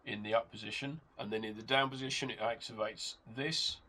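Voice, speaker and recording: A man with a stuffed-up nose from a cold, hosting his channel and calmly explaining a hobby gadget step by step from his workshop. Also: lowish voice, brisk. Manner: explains step by step, relaxed, with hesitations. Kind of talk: casual product demonstration. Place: home workshop with rain outside. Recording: rain and model engine noise behind.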